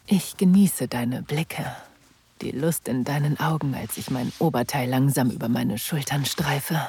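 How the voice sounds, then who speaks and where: A woman playing a breathy, teasing lover. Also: extremely low pitch, a little mellow, exaggerated voice. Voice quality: breathy, often whispered. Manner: teasing, slow and sensual. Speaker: first-person narrator and lover. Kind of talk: erotic audio drama.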